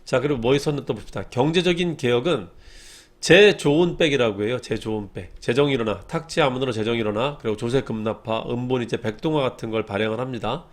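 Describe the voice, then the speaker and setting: Fast-talking man giving an exam-prep lecture. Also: medium pitch. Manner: brisk, repeats key terms for emphasis.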